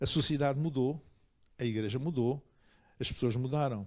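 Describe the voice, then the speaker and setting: A man with a European Portuguese accent is heard on a very clean recording with a silent background. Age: 70s. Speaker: pastor. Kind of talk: farewell speech to congregation. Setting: church.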